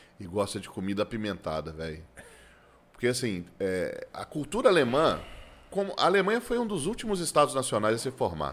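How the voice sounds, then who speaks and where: Vocal fry runs through this man's speech, which moves at a fairly quick pace with very wide pitch swings. He leaves long, frequent pauses. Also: medium pitch for a man. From Minas Gerais, Brazil (Contagem, near Belo Horizonte). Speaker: gaming content creator. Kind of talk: casual interview chat.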